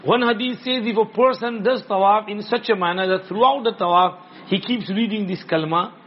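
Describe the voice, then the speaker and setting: A man's voice: high-pitched, a little fast. A man with a South Asian accent giving an informal religious lesson, instructing repetitively and checking that listeners follow. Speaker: religious teacher. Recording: dull lo-fi sound with background noise.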